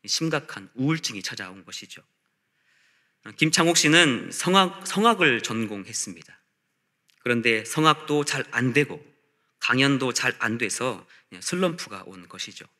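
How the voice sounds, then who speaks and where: Piercingly bright-voiced man preaching. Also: medium pitch, lively intonation, normal speed. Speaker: pastor. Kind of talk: sermon. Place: church service.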